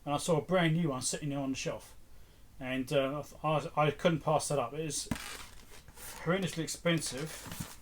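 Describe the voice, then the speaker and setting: Man rambling casually, slightly high voice. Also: steady tone, normal speed. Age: middle-aged. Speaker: electronics repair video host. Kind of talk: casual unscripted show-and-tell. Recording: clear background noise with clicks.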